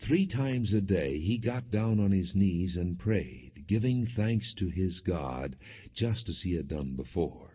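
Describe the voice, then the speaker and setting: A man narrating scripture as an audiobook in a solemn, measured way with deliberate pauses. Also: deep voice, lively intonation, husky. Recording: muffled phone-like lo-fi audio.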